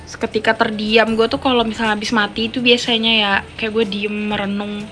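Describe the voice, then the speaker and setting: A young woman giving excitable casual commentary while playing a mobile game at home, swearing and talking to herself and her viewers. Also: on the high side, fairly quick, faint music behind.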